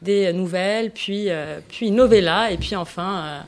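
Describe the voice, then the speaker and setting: A woman in her thirties, a novelist guest on a local radio show, speaking at a medium pitch. She answers thoughtfully but haltingly, with frequent fillers and restarts as she searches for words. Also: darkish tone. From Morocco. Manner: hesitant, many fillers and restarts.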